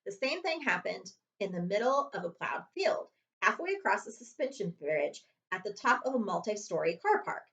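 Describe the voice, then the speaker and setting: A woman reading a children's chapter book aloud as an expressive storyteller, like a librarian at story time. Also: mid-range voice, moderate pace, gravelly. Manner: expressive storytelling with character voices.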